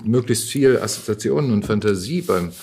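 A man's voice: on the low side, moderate pace, gravelly, noisy background. A middle-aged man in casual, reminiscing conversation as an interview guest, talking hesitantly in half-finished sentences. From Germany.

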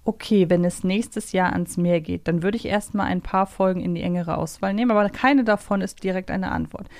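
A woman's voice: lowish voice, fairly quick, darkish tone, dry recording. A woman hosting a podcast, chatting casually as she plays a quiz with a co-host. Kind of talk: casual chat.

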